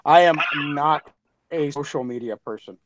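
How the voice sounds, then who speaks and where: A man's voice: a little high, lo-fi sound, noisy background. A man co-creating a podcast, chatting casually in a group and often restarting his sentences. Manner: halting, stumbles over words and restarts.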